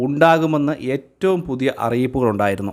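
A man talks in an unremarkable speaking voice with ordinary pitch variation. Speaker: YouTube news vlogger. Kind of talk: news explainer monologue.

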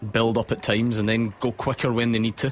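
Recorded dry with no echo, a man speaks at a moderate pace in an animated tone. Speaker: radio host. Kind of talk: live sports commentary and studio discussion. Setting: studio. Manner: animated, brisk play-by-play delivery.

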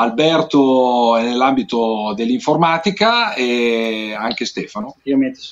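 The speaker talks at a very slow pace with a Bolognese accent. Loudness swings widely while pitch varies in an ordinary way. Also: man. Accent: Bolognese Italian. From northern Italy. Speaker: band musician. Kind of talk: interview. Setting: video call. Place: home room. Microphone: webcam.

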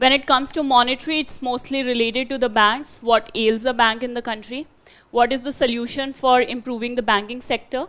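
A woman's high voice with fairly even intonation. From India, Hapur (Uttar Pradesh); Uttar Pradesh, India. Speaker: civil services exam topper. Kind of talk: Q&A talk to exam aspirants. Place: classroom. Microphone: headset.

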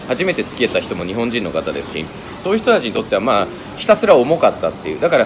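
A man rattles off words at a very fast pace while noticeable background noise plays underneath. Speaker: online sales instructor. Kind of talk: casual vlog chat. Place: street. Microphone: phone near.

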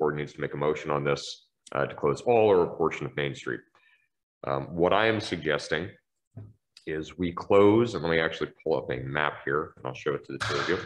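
Very deep and low, a man's voice with vocal fry moves at a fairly quick pace. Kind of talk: meeting chairing. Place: meeting room. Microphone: podium.

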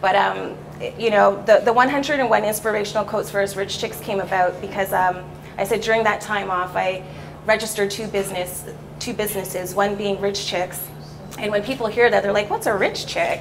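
Noticeable background noise sits behind a woman talking at a moderate pace. Her pitch is medium and her intonation fairly even. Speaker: life coach and author; life coach. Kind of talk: interview. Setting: stage with audience. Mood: warm, reflective. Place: studio.

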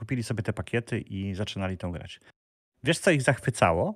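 Against a quiet background, a man with a fairly low pitch and ordinary pitch variation talks at a very fast pace. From Poland. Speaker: gaming streamer. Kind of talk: casual chat. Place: home room. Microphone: studio mic.

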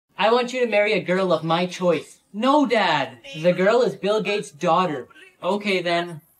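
A man talks at a moderate pace. Light background noise sits behind him. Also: ordinary pitch variation. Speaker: comedy sketch creator. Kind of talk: acted comedy skit dialogue. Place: home room. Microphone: phone near.

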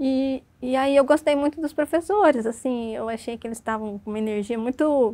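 A woman's high-pitched voice with ordinary pitch variation at a moderate pace. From Brazil, Minas Gerais. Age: 30s. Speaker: newly qualified lawyer. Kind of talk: interview. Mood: warm, cheerful. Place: studio. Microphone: lapel.

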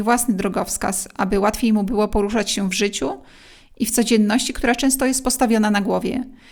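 In a normal speaking voice, a woman talks at a fairly quick pace with fairly high pitch and ordinary pitch variation. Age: 30s. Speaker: podcast host. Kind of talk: solo reflective monologue.

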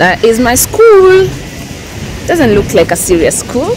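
Lively intonation over background music, with a dry sound and no echo. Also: woman. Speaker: travel vlogger learning to dive. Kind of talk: casual vlog chat. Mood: cheerful, relieved, laughing. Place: garden. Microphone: phone near.

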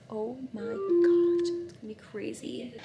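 A woman's voice with ordinary pitch variation, over loud background noise. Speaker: expectant mother vlogger. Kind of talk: casual vlog chat. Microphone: phone near.

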